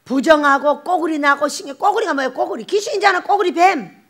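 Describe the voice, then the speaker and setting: A woman pastor preaches a sermon in a high, brisk voice. She's animated, acting out the voices she quotes and laughing often.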